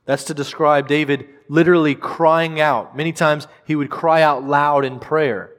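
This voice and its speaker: Earnest preacher in a reverberant room. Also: male voice, a little high, steady tone, normal speed. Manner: earnest, emphatic preaching with repetition. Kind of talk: sermon.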